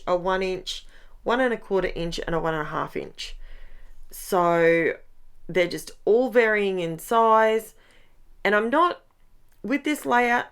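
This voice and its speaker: A middle-aged woman, chatting in a craft voice-over with a croaky voice, rambling and breaking off her own sentences. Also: medium pitch. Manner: chatty, rambling, self-interrupting. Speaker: scrapbooking vlogger.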